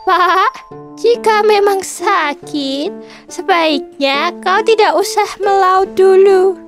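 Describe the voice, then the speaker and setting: A gentle, caring old wife from a cartoon fairy tale. She speaks softly and slowly in a very high, childlike pitch, with faint children's music playing behind. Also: exaggerated voice.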